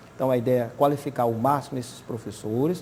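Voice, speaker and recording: Intonation stays fairly even in an ordinary speaking voice. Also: man. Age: 60s. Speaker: university professor and rector candidate. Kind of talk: TV interview. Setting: TV studio.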